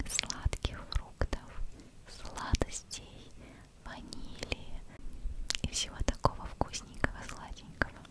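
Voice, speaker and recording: This woman whispers very slowly, with long pauses coming often. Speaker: beauty vlogger reviewing perfumes. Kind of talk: casual vlog chat, product review. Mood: warm, playful. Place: home room. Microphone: studio mic.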